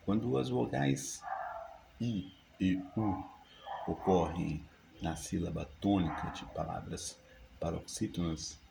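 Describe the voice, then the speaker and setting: Slow, gravelly man teaching. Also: deep voice, noisy background. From Brazil. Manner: slow, deliberate dictation of examples. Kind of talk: reading grammar rules and word lists.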